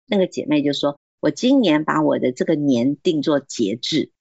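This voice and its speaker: A woman's voice: deep voice, lively intonation, normal speed, creaky, darkish tone, no echo, muffled recording. A woman giving earnest, encouraging Christian advice on marriage and self-control, acting out quoted remarks. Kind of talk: faith-based advice talk.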